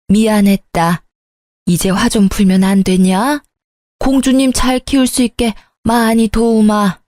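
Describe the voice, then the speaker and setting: An older grandmother past sixty, softened and remorseful, cooing over a baby and gruffly owning her mistakes, as a woman narrator puts her on. Her tone is warm and mellow, set in a dry, close recording for a spoken story. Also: medium pitch, no room sound, close to an everyday voice. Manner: doting baby talk, then gruff apology.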